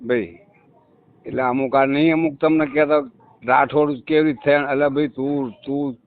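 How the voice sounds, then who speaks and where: A man's voice: mid-range voice, steady tone, normal speed. A man, a caller on a phone call, talking insistently and repeating his points with emphasis. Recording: tinny phone call recording.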